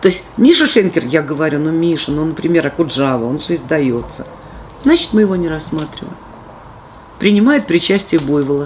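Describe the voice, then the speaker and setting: Against noticeable background noise, a woman talks at a moderate pace with a very deep, low pitch. She leaves long, frequent pauses. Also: lively intonation. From Moscow. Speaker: philologist. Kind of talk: oral history interview. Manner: animated storytelling.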